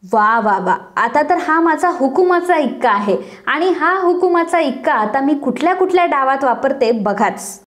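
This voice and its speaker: A woman's voice: high-pitched, lively intonation, normal speed, few pauses. A woman voicing a meddling woman who stirs up trouble, sly and gloating, in a serial recap.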